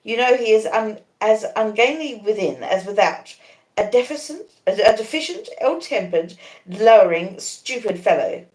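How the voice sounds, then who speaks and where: A woman voicing an earnest, wretched young gentleman who pleads emphatically in a story reading. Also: medium pitch, lively intonation, moderate pace, roomy sound, pitched above the performer's own voice, natural voice, poor audio. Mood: earnest, pleading.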